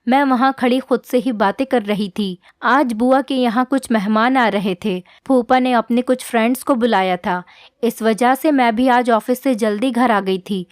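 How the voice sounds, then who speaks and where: Woman narrating an emotional story, high voice. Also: normal speed, dry recording, clean studio sound. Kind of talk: first-person scripted storytelling.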